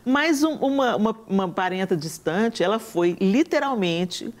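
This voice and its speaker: A woman's voice: medium pitch, measured pace. A Brazilian woman on a talk show, speaking earnestly and quoting scripture as she tells stories. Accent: Brazilian Portuguese. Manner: earnest, quotes scripture, animated storytelling. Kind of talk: conversational preaching.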